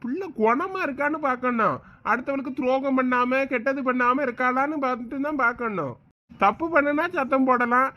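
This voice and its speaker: A man playing a soft-hearted village father who coaxes and defends his daughter. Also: very high-pitched. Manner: coaxing, pleading. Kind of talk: comedy skit acting.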